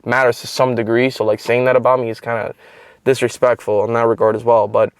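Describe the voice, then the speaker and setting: A man's voice: medium pitch, little pitch movement, quick pace, dry recording, clean studio sound. A young man who makes online content telling a personal story in a casual, rambling way, swearing often and leaning on filler words. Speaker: content creator.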